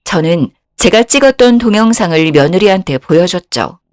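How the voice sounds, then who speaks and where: A woman's voice: on the low side, expressive, normal speed, darkish tone, no echo, clean studio sound. A woman in her fifties telling her own story in the first person, indignant. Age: 50s. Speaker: narrator.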